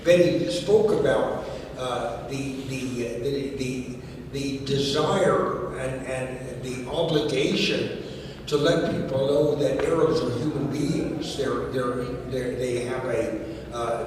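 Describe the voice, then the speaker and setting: A man moderating a panel discussion, speaking in a measured, halting way with many fillers. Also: medium pitch, background noise. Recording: echoey hall, distant mic.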